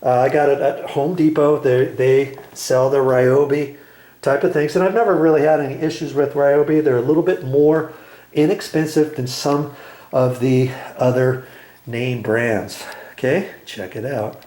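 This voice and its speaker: A man's voice: medium pitch, steady tone, measured pace, dark tone. Chatty man with an echoey sound. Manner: chatty, rambling, talks while handling tools. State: out of breath while climbing. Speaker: DIY video host. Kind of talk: casual how-to vlog.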